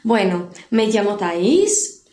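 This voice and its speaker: A woman's voice: medium pitch, big pitch swings, slow pace, dark tone. Patient Brazilian woman teaching, roomy echo. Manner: patient, explanatory, has learners repeat after her. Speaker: Spanish teacher. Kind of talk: recorded video lesson.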